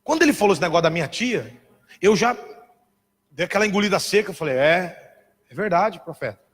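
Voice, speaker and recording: A man preaching a sermon as a pastor, telling a story in an animated, dramatic way and mimicking other voices. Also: high voice, fast. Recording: reverberant hall.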